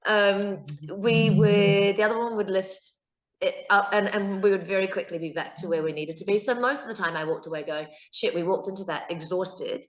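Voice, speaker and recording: A woman's voice: medium pitch, normal speed. A woman with a New Zealand accent, a guest actor chatting casually in an interview, full of fillers and side stories. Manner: chatty, anecdotal, frequent fillers. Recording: echoey, dull lo-fi call audio.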